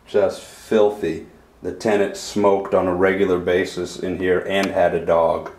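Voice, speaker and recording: A realtor filming a property inspection walks through empty townhouse rooms, narrating off the cuff in a terse, disapproving way. His voice is low, unhurried, fairly flat, and a little mellow. The handheld camera mic picks up echo and faint background noise.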